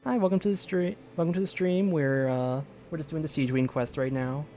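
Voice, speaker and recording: A man's voice: a little high, fairly quick, dark tone, faint music behind. A man giving casual livestream commentary on a game, talking in a rambling, hesitant way. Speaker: game streamer.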